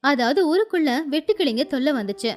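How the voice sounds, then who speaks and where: A woman narrating a children's moral story in a lively, sing-song storytelling manner. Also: high voice, quick pace. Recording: faint music behind.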